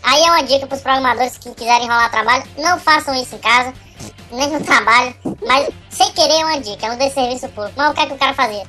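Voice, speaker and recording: A Brazilian man telling a work story in casual chat, his voice raised by a pitch-shifting voice changer. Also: faint music behind, full character voice. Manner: rapid, animated storytelling with frequent tag questions. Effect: pitch-raising voice changer, high chipmunk-like. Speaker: podcast panelist.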